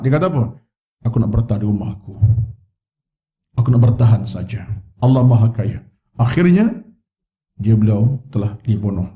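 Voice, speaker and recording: A man with a Malaysian Malay accent, giving a mosque lecture as a religious teacher. He tells stories and acts out the quoted voices. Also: highs cut off. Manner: storytelling, acts out quoted voices with rising pitch. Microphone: wireless microphone.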